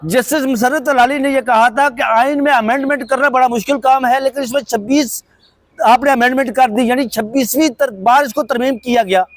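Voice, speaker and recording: Pakistani man, political commentator; high voice, dry close sound, measured and critical delivery. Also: steady tone, dry recording. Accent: Pakistani Urdu. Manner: measured, explanatory, pointedly critical. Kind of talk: news commentary to viewers.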